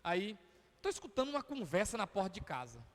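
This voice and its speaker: Brazilian pastor preaching, really high voice, big echoey church. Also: male voice, very animated, brisk. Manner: chatty, humorous storytelling. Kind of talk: sermon with storytelling. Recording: reverberant church hall.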